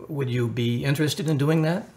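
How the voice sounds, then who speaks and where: A man's voice: on the high side, moderate pace, a little mellow, natural voice. A man acting the part of an earnest, solicitous Catholic priest in a radio drama, speaking formally and a little hesitantly in a consoling, pastoral way.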